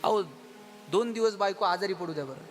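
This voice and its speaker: Bright high-voiced man speaking in a hall. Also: a little fast. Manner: animated, addresses the audience directly. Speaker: motivational speaker. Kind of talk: stage speech with humorous storytelling. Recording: long hall reverb with faint music.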